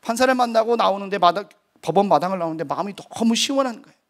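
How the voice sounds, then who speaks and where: A man's voice: high voice, expressive, rapid-fire. A middle-aged man, a missionary, giving a sermon testimony with earnest, vivid storytelling. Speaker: missionary preacher.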